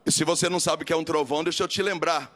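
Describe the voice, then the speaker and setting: A man with a Brazilian Portuguese accent preaching a sermon, emphatic and repetitive, building to shouted refrains. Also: a little high, fairly even intonation, rapid-fire. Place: large church camp gathering.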